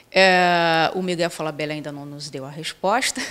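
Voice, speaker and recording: Bright and sharp in tone, a woman speaks at a fairly slow pace and fairly low pitch. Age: 20s. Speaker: actress and acting teacher; actress guest. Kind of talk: TV talk show interview. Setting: studio. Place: studio. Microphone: handheld.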